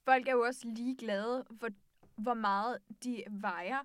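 Young woman, blunt and emphatic, slightly high voice, dry close sound, casual book chat. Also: steady tone, no room sound. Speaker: student discussing a book.

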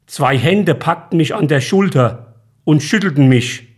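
A man reading his own short story aloud in a calm, measured storytelling manner. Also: fairly high pitch. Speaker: author and reader.

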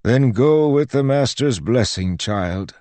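A man's voice: medium pitch, lively intonation, takes it slowly, mellow, dry recording, pitched above the performer's own voice. A man voicing a crotchety old priest in an audiobook, weary, patronising and exasperated.

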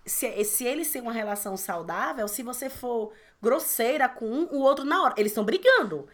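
A woman's voice: a little high, lively intonation, fairly quick, fairly bright tone. A woman, chatting casually. She tells stories expressively, laughs often and acts out what others said. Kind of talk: casual chat.

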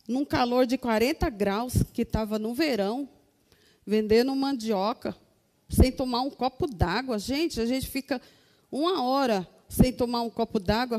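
Brazilian lady giving church testimony, earnest, soft warm tone, long echo. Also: fairly high pitch. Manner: earnest, addresses listeners as brothers. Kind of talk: testimony to a congregation.

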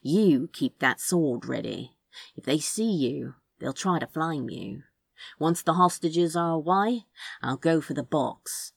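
A woman performs a male sorcerer from a fantasy story, wry and sure of himself. The voice is lowish and unflappable, recorded dry, with fondness under the swagger. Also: animated, takes it slowly, gravelly, husky, dry recording, heavily acted. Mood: confident, businesslike.

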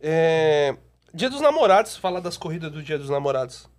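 A man's voice: a little high, very animated. A man hosting a casual podcast, asking questions and talking to the audience in a chatty way. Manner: brisk, chatty, addresses audience. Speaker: podcast host.

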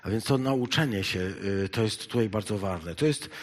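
A man preaching a sermon, shifting between loud, emphatic exhortation and quiet, halting asides full of hesitations. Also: lowish voice. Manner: halting, with many hesitation fillers.

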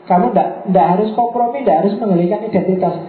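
A man's voice: high-pitched, fast talker. A man giving a lecture. He poses his own questions, answers them, and drops English phrases into his talk. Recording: tinny, phone-like and echoey.

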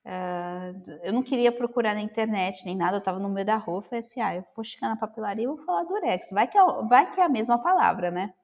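A woman from Brazil telling a lively anecdote in casual chat, acting out the dialogue. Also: medium pitch, fast talker, hardly any pauses, highs cut off. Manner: animated, acts out the dialogue. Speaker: storyteller.

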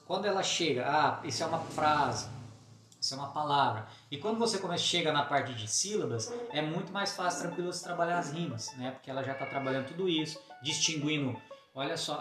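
Man teaching in an echoey room. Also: mid-range voice. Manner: explains step by step, often asks "entendeu?". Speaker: teacher explaining phonics. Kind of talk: casual instructional talk.

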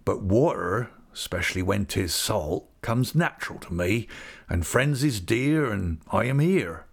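A man performs a hale old seafarer for an audiobook, speaking in broad country dialect. His delivery is slow, affectionate and hearty, with a lively rise and fall on a fairly low male voice. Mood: warm, earnest. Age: older. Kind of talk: audiobook character voice.

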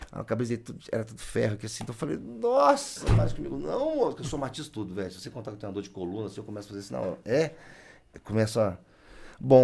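A man's voice: on the low side, creaky, warm tone. A Brazilian man, telling a story in casual chat and acting out the lines he quotes.

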